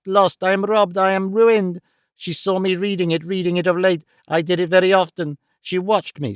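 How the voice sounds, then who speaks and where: A shrieking, panicky old miser of a moneylender, put on by a male reader of a storybook. His voice sits high and thin above a smooth, clear tone, recorded close and dry. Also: dry recording, natural voice. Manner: shrieking, wailing.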